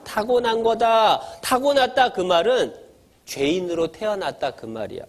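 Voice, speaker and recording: A man preaching a sermon to children, animated, asking them questions and acting out small scenes of mother and baby. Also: high-pitched, unhurried. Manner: acts out mother and baby voices. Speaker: pastor.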